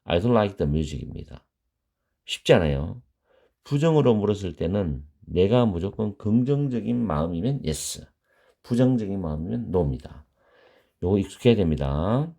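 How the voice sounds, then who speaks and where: A man's voice: deep voice, vocal fry, warm tone. A middle-aged man teaching an English grammar lesson, patiently repeating example sentences and stopping to correct his own typos.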